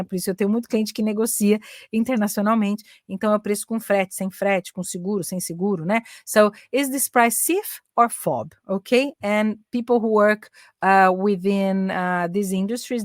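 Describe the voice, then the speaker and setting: A woman's voice: medium pitch, no echo, studio quality. A middle-aged Brazilian woman teaching English in a chatty lesson, switching between Portuguese and English and often checking in with "né?" and "ok?". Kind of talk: casual bilingual English lesson.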